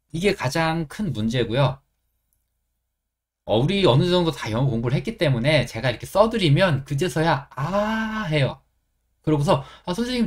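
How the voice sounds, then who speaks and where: A middle-aged man with a Korean accent, teaching an English lesson and repeating phrases slowly, step by step. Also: mid-range voice.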